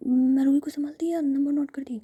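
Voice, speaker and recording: A woman's voice: sits high, steady tone, a little fast, mellow, pitched above the performer's own voice, close to an everyday voice. A woman whispering the lines of a timid young woman who apologises in a told story. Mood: pleading. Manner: whispered, pleading.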